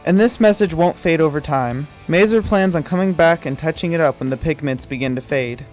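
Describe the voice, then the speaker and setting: Higher-voiced man reading narration. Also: a little fast. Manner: even, read-aloud delivery. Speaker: documentary narrator. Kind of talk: scripted narration. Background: light music.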